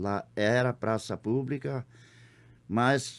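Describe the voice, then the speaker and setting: A man speaks at a medium pitch with ordinary pitch variation. The recording is very clean and the background is silent. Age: 70s. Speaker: farmer and community figure. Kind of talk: interview.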